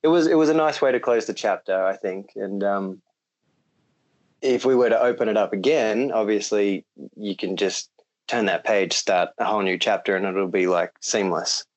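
Speaking at a normal pace in a fairly low voice, a young Australian podcast guest keeps things loose, rambling with frequent ums and laughing easily.

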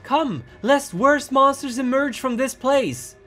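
A man's voice: very high voice, lively intonation, slow pace, faint music behind, pitched above the performer's own voice, heavily acted. Man as urgent ancient tribal summoner, raised voice. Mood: urgent, angry. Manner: loud, pleading declamation. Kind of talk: dramatic audiobook-style character acting.

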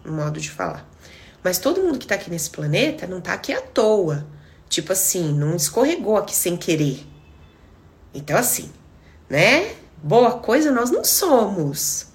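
A woman's voice: mid-range voice, sing-song, normal speed. A middle-aged Brazilian woman, a therapist talking on a casual live stream, blunt and emphatic, acting out bits of dialogue. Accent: Brazilian Portuguese.

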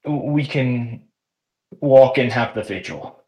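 A man's voice: medium pitch, dark tone. A man playing in a tabletop game, speaking hesitantly. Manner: hesitant, halting. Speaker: player. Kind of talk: casual tabletop role-play.

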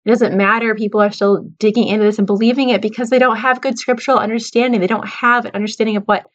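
A woman's voice: fairly high pitch, fairly even intonation, fast talker, highs cut off. A woman in her thirties talking earnestly and with worry to her viewers, calling them guys. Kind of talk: casual talk to camera.

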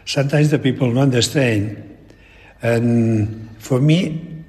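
A very old man with a Spanish accent, talking reflectively in an interview in halting, broken English with repeated words. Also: medium pitch, a little mellow. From Spain. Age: elderly. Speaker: painter being interviewed. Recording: long echoing reverb in a hall.

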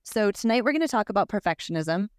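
Woman, podcast host, clear resonant voice, dry sound, conversational. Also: mid-range voice, expressive, fast, no echo.

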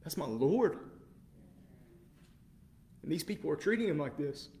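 A man preaching a sermon with passion, moving between quiet, measured passages and loud, incredulous outbursts. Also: on the high side, animated. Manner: impassioned, swings from quiet to loud exclamation.

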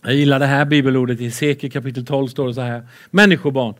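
A man preaching a lively sermon with Bible readings, excitable and playful, swinging between loud and soft. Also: medium pitch.

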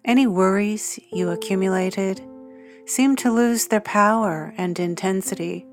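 A woman guiding a sleep meditation in a soothing, hushed, measured manner with long pauses between phrases. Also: mid-range voice. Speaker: meditation guide, podcast host. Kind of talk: guided sleep meditation narration. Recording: music under the voice. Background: soft guitar and piano music.

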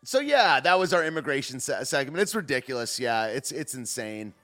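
A man's voice: mid-range voice, very animated, brisk, bright, forceful tone, soft background music. A man hosting a casual livestream, reacting to clips and chat in a joking, rambling way that often trails off and restarts. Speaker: livestream host. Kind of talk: casual commentary, reading chat.

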